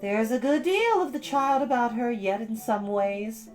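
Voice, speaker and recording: A woman's voice: fairly high pitch, unhurried, a little mellow, faint music behind, voice pushed up, natural voice. A woman voicing a stout, bossy older village gossip from a storybook, opinionated, emphatic and folksy. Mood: indulgent. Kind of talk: storybook character voice.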